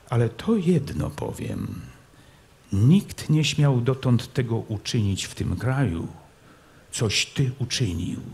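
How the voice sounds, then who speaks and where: An actor reading aloud, playing a proud, threatening nobleman prince who speaks slowly and darkly. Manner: slow, low and threatening. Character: proud menacing nobleman prince, older man.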